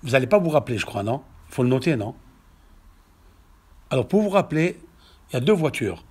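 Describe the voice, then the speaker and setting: A man with a French accent, a rabbi giving a lively Torah lecture to a congregation, swinging from hushed asides to emphatic exclamations and checking whether his listeners follow. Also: mid-range voice, brisk, husky. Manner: asks the audience questions to check understanding. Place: synagogue hall.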